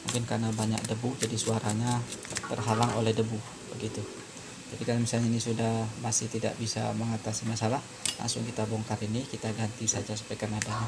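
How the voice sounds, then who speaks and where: Low-key man, flat tutorial delivery. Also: noisy background. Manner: halting, step-by-step explaining with frequent pauses. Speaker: phone repair tutorial presenter. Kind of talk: informal hands-on tutorial narration.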